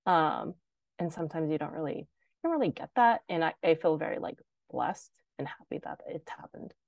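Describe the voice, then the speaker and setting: A woman's voice: sits low, animated, brisk, gravelly, darkish tone, no echo, clean studio sound. A young woman, a designer and podcast guest, chatting casually and filling her talk with "like". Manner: chatty, heavy use of "like". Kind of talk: casual interview chat.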